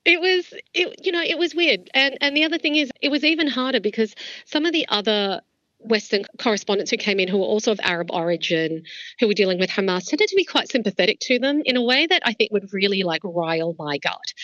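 A woman's voice: medium pitch, animated, a little fast, a bit bright, dry recording, highs cut off. A woman who was a foreign correspondent, speaking candidly in an interview with many casual fillers. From Australia. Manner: candid, frequent "like" and "you know" fillers. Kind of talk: reflective interview answers.

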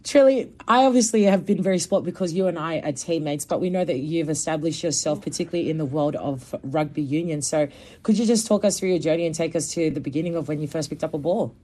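Woman host of a sports show, lowish voice, upbeat intros. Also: quick pace, mellow. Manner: upbeat, scripted segues. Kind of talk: podcast hosting.

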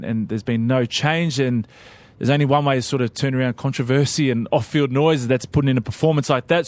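A man co-hosting a casual sports chat, relaxed and full of fillers. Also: mid-range voice. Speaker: co-host.

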